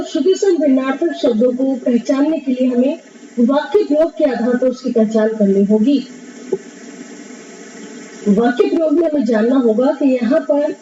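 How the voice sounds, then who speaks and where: A woman teacher giving a classroom lesson, explaining slowly, repeating key terms and asking questions she then answers herself. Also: sits high, noisy background. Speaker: Hindi teacher. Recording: distant roomy lo-fi recording.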